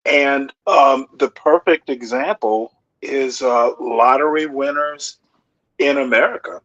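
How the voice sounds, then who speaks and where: A man's voice: medium pitch, takes it slowly, fairly bright tone, no echo, muffled recording. A man taking part in an online group discussion who speaks bluntly and combatively. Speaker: discussion participant.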